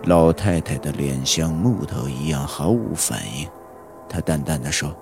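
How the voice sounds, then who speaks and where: A man narrating a horror audiobook in a slow, suspenseful storytelling manner. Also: a bass voice. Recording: audiobook with background music.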